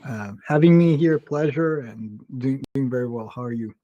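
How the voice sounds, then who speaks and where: A man from Brazil, a company founder, talking in a relaxed, friendly way as a guest on a video call. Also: medium pitch, moderate pace, no room sound, lo-fi sound. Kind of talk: casual interview talk.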